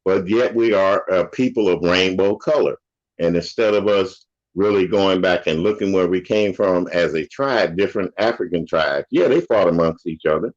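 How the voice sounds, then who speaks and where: A man's voice: deep voice, moderate pace. An older man in casual conversation, an opinionated, rambling storyteller from the United States. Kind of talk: casual chat. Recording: dull lo-fi audio.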